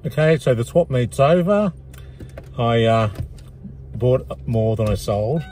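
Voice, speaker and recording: A man's voice: mid-range voice, animated, slow, darkish tone, a little hiss or hum. A man, hosting a casual car vlog and rambling with plenty of fillers, recorded on a phone in a car. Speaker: vlog host. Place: inside a parked car.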